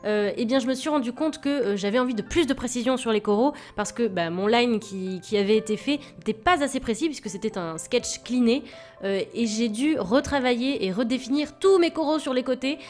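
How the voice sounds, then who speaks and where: Woman, stuffy from a cold, higher voice, casual illustrator voice-over with lots of fillers, faint music underneath. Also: a little fast, a little mellow. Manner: chatty and hesitant, many fillers and restarts. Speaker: digital illustrator. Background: faint background music.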